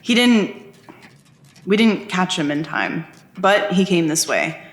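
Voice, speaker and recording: A woman's voice: fairly low pitch, animated, takes it slowly. An actress playing an earnest, polite, curious young woman in an audio drama, speaking in a tentative, conversational way. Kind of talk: naturalistic audio drama dialogue. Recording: roomy echo under music.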